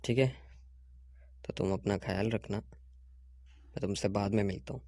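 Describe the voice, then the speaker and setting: An actor playing a friendly young man who speaks in a calm, reassuring way. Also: lowish voice, measured pace, no room sound.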